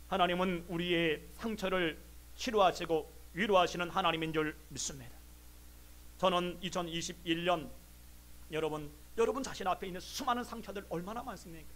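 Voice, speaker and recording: A male pastor preaching a sermon, fervent, swinging between loud calls and hushed storytelling. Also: high voice. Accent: Korean.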